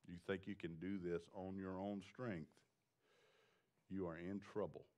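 A man's voice: sits low, fairly even intonation, unhurried, dark tone. A middle-aged man preaching a sermon to a small congregation, building to emphatic repeated lines. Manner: preaching with rising intensity and emphatic repetition; pacing the stage with wide gestures. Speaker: pastor. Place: small church stage with seated congregation.

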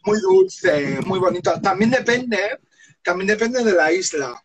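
A man from the Basque Country with a notably high voice, chatting camply over a phone video call. He gushes and trails off mid-sentence, calling his guest darling at every turn. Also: lively intonation, a little slow, over a noisy crowd, poor audio. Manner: campy, chatty, lots of terms of endearment. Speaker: host of a drag chat show. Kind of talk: camp casual video chat. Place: indoor room with clothes rack.

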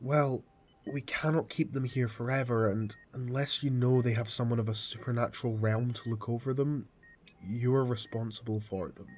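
A man playing a calm, formal hospital doctor in an audio drama, speaking in a measured, matter-of-fact way. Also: mid-range voice, natural voice. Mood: firm, formal. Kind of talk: amateur audio drama acting.

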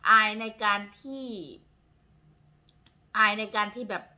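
A woman's voice: medium pitch, little pitch movement, slow pace, pushed and bright. A woman from Northeast Thailand, chatting casually and rambling a bit to camera in her vlog. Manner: chatty, rambling, refers to herself by name. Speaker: vlogger. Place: home in Texas.

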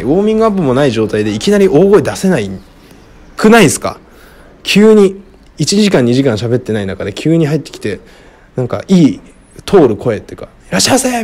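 Guy rambling thru listener questions solo, pitch jumps all over, mumbles off at the ends. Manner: rambling, frank, with frequent fillers and chuckles; lively, wide pitch swings. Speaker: radio-style show host answering listener questions. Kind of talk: casual solo talk answering questions.

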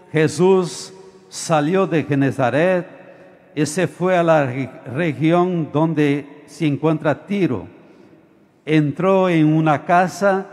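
An older man, a bishop, reading the Gospel aloud at Mass in a slow, measured manner into a stand microphone at an outdoor altar. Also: fairly high pitch, darkish tone. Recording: reverberant public address sound.

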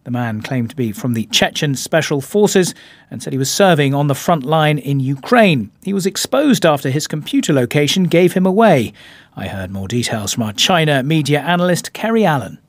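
A man presenting the news in a measured, formal way and questioning a guest. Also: on the high side, sing-song, no room sound.

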